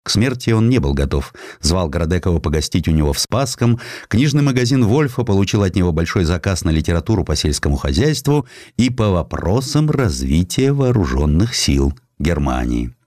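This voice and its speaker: A man's voice: deep voice, sing-song, moderate pace, few pauses, a little mellow, no echo, studio quality. A man narrating historical prose as an audiobook reader, in a dramatic scripted style.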